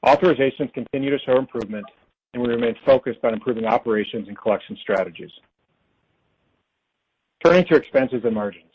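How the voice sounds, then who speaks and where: A man presenting as a company finance executive on an earnings call, reading prepared figures in a formal, measured way. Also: medium pitch, slightly rough. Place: conference call. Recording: dull, lo-fi conference call audio.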